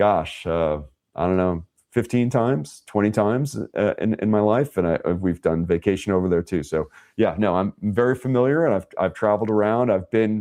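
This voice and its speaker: This voice has a dark, mellow tone and a New York accent, with ordinary pitch variation and very even loudness. The pace is moderate, and the background is quiet. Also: man, fairly low pitch for a man. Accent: American (New York). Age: 50s. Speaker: soccer referee. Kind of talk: podcast interview. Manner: halting, many fillers and repeats.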